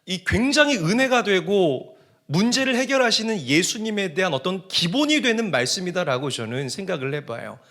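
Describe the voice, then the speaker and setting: A pastor delivers a sermon in a high, bright voice that swoops widely in pitch. He talks straight to his congregation with questions and climbs from quiet asides into fervent, shouted appeals. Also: very animated, normal speed. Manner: impassioned preaching, swinging from soft asides to shouted climaxes; addresses the congregation directly with questions.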